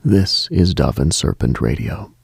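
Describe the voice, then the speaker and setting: A man hosting a late-night radio show, speaking a slow reflective monologue in a hushed, half-whispered delivery. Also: sits low, expressive, creaky, breathy edge, dry recording.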